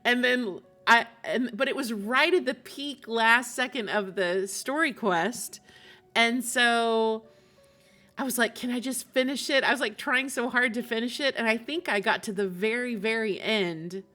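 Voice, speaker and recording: A woman's voice: a little high, measured pace, bright, forceful tone. A woman game streamer chatting casually and talkatively to her live audience. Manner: chatty, often laughs while talking.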